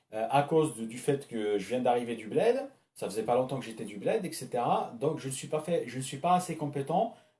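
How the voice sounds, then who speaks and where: Somewhat breathy, with a dark, mellow tone, a man speaks at a fairly quick pace. His loudness swings widely. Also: fairly high pitch for a man, lively intonation. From North Africa, Algeria. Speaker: YouTuber. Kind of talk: livestream monologue. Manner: halting.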